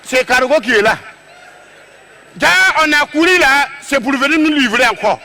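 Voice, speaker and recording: Stand-up man, West African French accent, animated storyteller, very high and sharp voice. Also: normal speed, a faint crowd. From Togo. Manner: animated, acts out scenes, shouts and drops to low asides. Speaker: stand-up comedian. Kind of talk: comic storytelling on stage.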